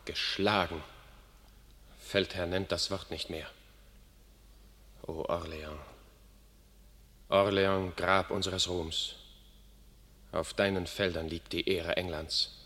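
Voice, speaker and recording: An actor playing a fierce, arrogant English noble soldier in a classical verse radio play, declaiming with contempt. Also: male voice, sits low, level tone, slow pace, pauses often, pushed and bright, full character voice. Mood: bitter, ashamed. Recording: long reverberant hall sound.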